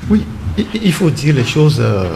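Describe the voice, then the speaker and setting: Man, high and very animated voice; indignant commentator who hammers his points on a debate panel. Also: normal speed, creaky, noisy background. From Togo. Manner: indignant, insistent, repeats words while building a point. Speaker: political commentator.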